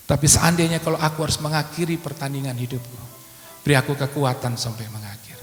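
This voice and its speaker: A middle-aged male pastor giving a sermon testimony, swinging between loud exhortation and hushed, emotional confession. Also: high voice. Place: church sanctuary. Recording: echoey church hall with music.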